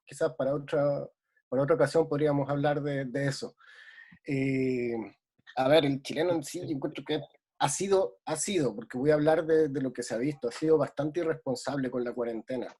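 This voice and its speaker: A man's voice: fairly high pitch, fairly even intonation, a little fast, darkish tone, breathy edge. A man from Ecuador speaking reflectively in a casual remote conversation, with many hesitations. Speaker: guest.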